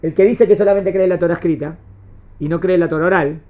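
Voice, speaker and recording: A woman's voice: lowish voice, steady tone, fast talker, warm tone. Fields: Sex: woman. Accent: Rioplatense. Role: teacher. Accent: Rioplatense Spanish. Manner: questioning, checks understanding often. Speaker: religious studies teacher. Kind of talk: classroom lecture.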